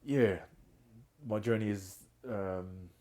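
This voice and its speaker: A middle-aged New man appears as an earnest guest, the founder of a reintegration trust, telling his personal story candidly. He is open and speaks of hard times with emotion, in a slow, flat, low delivery.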